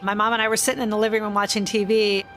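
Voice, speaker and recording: A woman with a medium-pitched voice recounts events in a documentary interview. She speaks as a bereaved sister, and music plays clearly behind her. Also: little pitch movement, rapid-fire, a bit bright.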